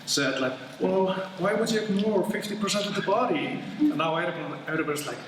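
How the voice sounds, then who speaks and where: A man's voice: high voice, a little fast. Man doing stand-up in an echoey hall. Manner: animated, puts on excited voices for jokes. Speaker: first-time stand-up comedian. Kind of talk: stand-up set. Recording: echoey hall, distant mic, noise.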